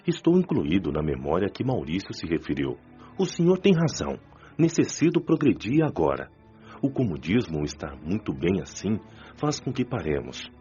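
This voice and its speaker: A man playing a deep-voiced, earnest spirit librarian. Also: sing-song, moderate pace. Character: courteous male spirit librarian, humble and earnest. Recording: slightly dull audio. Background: soft background music.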